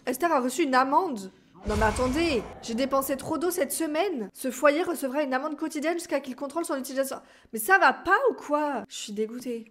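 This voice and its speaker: A woman's voice: high voice, fairly quick. A young woman casually commenting on her life-sim game, reading its texts aloud and reacting to them. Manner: chatty, reads game text aloud and reacts. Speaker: gaming YouTuber. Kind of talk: casual let's-play commentary.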